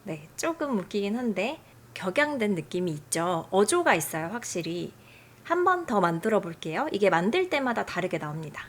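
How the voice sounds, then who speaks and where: A woman hosting a software tutorial, explaining settings in a friendly, chatty way. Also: mid-range voice, very animated, moderate pace. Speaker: tutorial host.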